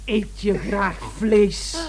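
Blunt, thuggish coarse daughter. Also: female voice, mid-range voice, fairly even intonation, very slow, a little mellow, slight background noise. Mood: menacing. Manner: blunt, rude, colloquial. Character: coarse, thuggish grown daughter, menacing henchwoman. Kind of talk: radio play acting.

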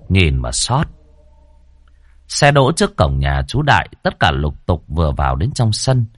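A man narrating a ghost story in a dramatic, expressive reading. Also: sits low, dry recording.

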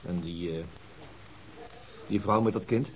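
An actor playing a sensible, probing police detective in a radio drama, firm with his colleague, with a husky voice. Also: deep voice, unhurried, dull audio. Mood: measured. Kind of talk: Dutch radio drama acting.

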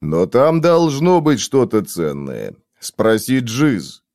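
A man's voice: mid-range voice, sing-song, slow, darkish tone. A man doing a stubborn, mumbling young man.

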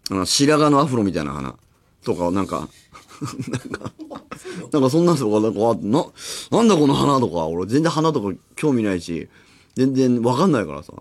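Lively radio host man with low voice. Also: moderate pace. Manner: rambling, animated storytelling with acted-out asides. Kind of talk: casual radio talk. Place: radio studio. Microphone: studio microphone.

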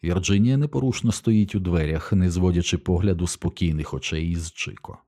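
A man narrating an audiobook in a steady, measured reading. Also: sits low. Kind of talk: scripted narration.

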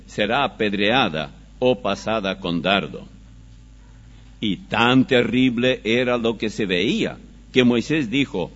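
Male preacher teaching a Bible study, unhurried and emphatic, dull lo-fi sound. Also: medium pitch. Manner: slow, emphatic scripture reading with animated rises. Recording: dull lo-fi recording.

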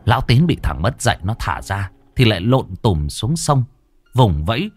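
A man narrating a folk story in a lively, earthy way. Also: fairly low pitch, moderate pace, faint music behind.

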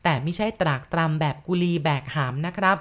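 A woman narrating a first-person ghost story in a steady, measured way. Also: deep voice. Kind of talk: story reading.

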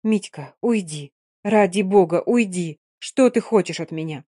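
A woman's voice: on the high side, lively intonation, brisk, no room sound, studio quality, pitched above the performer's own voice, close to an everyday voice. A woman reading a novel aloud, voicing a proud young Gypsy singer who speaks sharply and with passion. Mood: pleading distress. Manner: sharp, impassioned.

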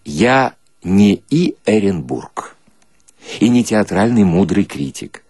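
A man reading satirical prose as an actor, in a theatrical, ironic and expressive narrating style. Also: lowish voice, slow, breathy edge, no room sound, studio quality. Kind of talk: expressive dramatic literary narration.

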